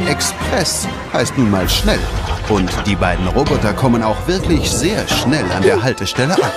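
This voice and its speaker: A man's voice: mid-range voice, very animated, normal speed. A man narrating a scripted children's audio play as a dramatic storyteller. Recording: music behind the voice.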